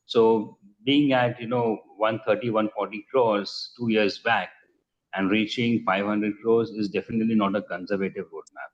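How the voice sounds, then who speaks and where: A man, a company executive giving measured, businesslike answers on an earnings call. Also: fairly low pitch. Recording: muffled conference-call line.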